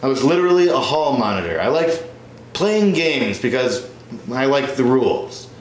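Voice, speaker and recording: Man playing both parts as a smug, animated twin brother. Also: mid-range voice, moderate pace, lightly acted. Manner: smug, pedantic. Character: smug, boastful, pedantic older twin brother. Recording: roomy echo with faint noise.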